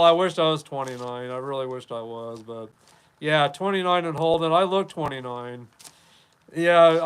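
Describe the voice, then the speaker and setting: Smooth-voiced man in his fifties. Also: fairly high pitch, fairly bright tone. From Wyoming, USA. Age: 50s. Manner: rambling, chatty, reads viewer comments aloud. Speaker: podcast host. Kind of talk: casual live-stream chat.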